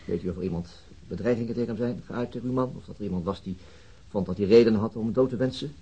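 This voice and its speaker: An actor playing a calm, tactful police inspector in a radio drama, speaking politely and hesitantly. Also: male voice, lowish voice, fast talker, breathy edge, poor audio. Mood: patient probing. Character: calm, tactful male police chief inspector questioning gently. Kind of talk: naturalistic radio drama acting.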